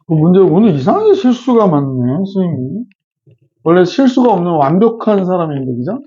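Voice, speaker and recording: A man's voice: high-pitched, sing-song, a little fast, warm tone, dull audio. A middle-aged man teaching math in a classroom lecture, chatty and often checking in with his students. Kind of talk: classroom lecture with casual digressions.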